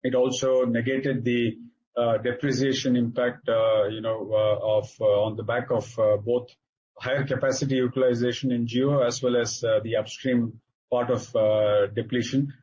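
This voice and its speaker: Husky Indian man presenting company results, muffled audio. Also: medium pitch, little pitch movement, a little mellow. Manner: halting, hesitant delivery with frequent filler sounds. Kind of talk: earnings call presentation. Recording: dull lo-fi conference call audio.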